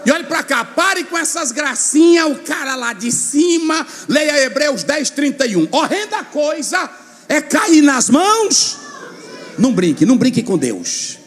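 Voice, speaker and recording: A male preacher delivers a fiery sermon, his very high voice leaping up and down as he shouts and chants. He calls on the congregation to shout back. Long reverb from a big hall trails every phrase. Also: sing-song, moderate pace, few pauses, a little hiss or hum. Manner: shouting, sing-song preaching with call and response. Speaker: pastor. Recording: long echo of a large hall.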